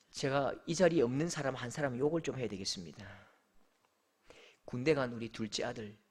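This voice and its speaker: A middle-aged male pastor preaching a sermon, telling a story with lively acted-out voices. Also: a little high, slightly rough. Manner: animated storytelling, acting out quoted voices. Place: church sanctuary.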